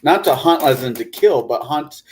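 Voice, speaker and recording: A man talking informally and haltingly in a casual panel discussion about tabletop role-playing games. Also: on the high side, animated.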